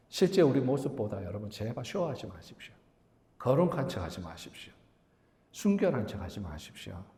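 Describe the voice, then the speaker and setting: A man's voice: mid-range voice, dark tone. A middle-aged man preaching a sermon to his congregation, talking to them directly and acting out the complaints of Bible figures. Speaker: pastor. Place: church sanctuary. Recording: echoey church hall with long reverb.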